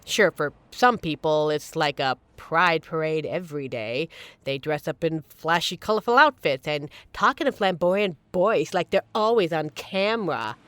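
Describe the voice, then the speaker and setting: A woman's voice: low-pitched, expressive, moderate pace, fairly bright tone, no echo. A woman playing a supportive, playful young queer friend in an audio roleplay, talking casually and earnestly to reassure the listener. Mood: gentle, reassuring.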